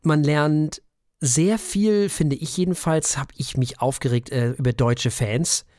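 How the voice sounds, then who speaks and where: A man's voice: on the high side, measured pace, a little mellow, no room sound. Wry man co-host, dry close sound. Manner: wry, joking, trails off mid-sentence. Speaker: podcast co-host. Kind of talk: casual chat.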